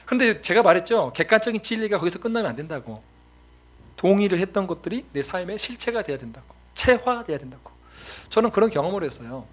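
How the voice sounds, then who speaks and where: Animated Korean missionary preaching a sermon. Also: male voice, high voice, fast. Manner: animated storytelling, acts out voices.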